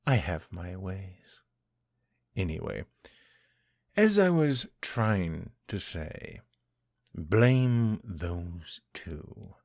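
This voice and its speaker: A man's voice: deep voice, big pitch swings, creaky, darkish tone, no room sound, studio quality, exaggerated voice. A man playing a mocking ancient vampire lord. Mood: gloating. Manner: taunting, condescending, slow and deliberate. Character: centuries-old vampire lord, cruel, mocking villain. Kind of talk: audio drama, one-sided dialogue.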